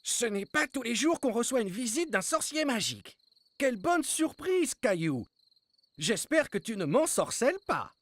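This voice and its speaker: A man playing a friendly old gentleman neighbour in a children's cartoon, jovial and kindly. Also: very high-pitched, sing-song, normal speed, no room sound, exaggerated voice. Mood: pleasantly surprised. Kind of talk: animated children's cartoon dialogue.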